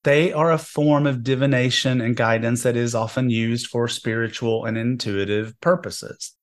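A man hosting a spiritual talk show, chatting casually with wry asides and sounding slightly hoarse from a cold. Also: mid-range voice, steady tone, moderate pace. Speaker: host. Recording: internet radio show.

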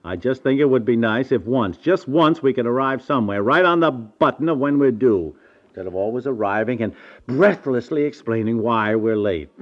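An actor playing an exasperated, stubborn but affectionate husband in a 1950s radio domestic comedy, with an American accent and an emphatic, scolding way of talking. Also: male voice, medium pitch, expressive, moderate pace, lightly acted. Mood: mollified. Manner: scolding, emphatic, stammers when flustered. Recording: dull band-limited 1950s radio recording.

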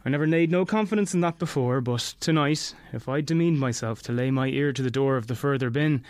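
A man's voice: medium pitch, fairly quick, a little mellow, smooth, no echo, close to an everyday voice. A man playing a superstitious, teasing butler of an old country house in an audio drama, with old-fashioned rustic servant's phrasing. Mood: earnest, conspiratorial.

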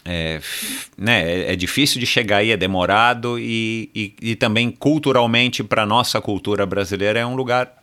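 Brazilian guy host, lowish voice, kinda bright and sharp, rambles through his questions. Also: moderate pace. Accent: Brazilian Portuguese. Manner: rambling, searching questions full of fillers. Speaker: interviewer. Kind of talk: casual interview questions.

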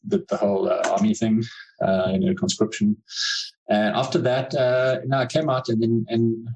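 A man's voice: on the low side, darkish tone, poor audio. A middle-aged man from South Africa, a cartoonist talking casually in an interview, with many fillers and restarts. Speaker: cartoonist guest.

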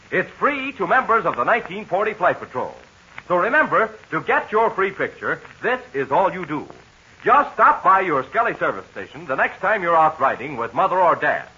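American man, 1940s radio announcer, emphatic salesman delivery, forceful, swooping pitch, muffled old recording.

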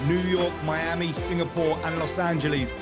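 A man's voice: fairly high pitch, fairly even intonation, moderate pace, loud music behind the voice. A man hosting a podcast, reading a polished guest introduction and then asking questions with some hesitation. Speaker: podcast host. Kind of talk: scripted intro, then casual interview.

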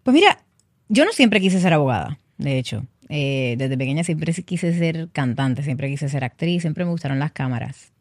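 A woman in her thirties from Puerto Rico speaks with a Puerto Rican Spanish accent, answering interview questions as a defense lawyer. She is chatty and mixes English words into her Spanish, in a slightly low voice. The recording is dry and close. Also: lively intonation, normal speed, no echo. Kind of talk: interview guest, casual conversation.

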